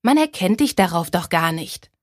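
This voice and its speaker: A woman reading an audiobook, voicing the narrator's excited, chatty young best friend in a brighter, higher voice. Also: moderate pace, dry recording, clean studio sound, natural voice. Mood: eager. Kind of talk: audiobook character voice.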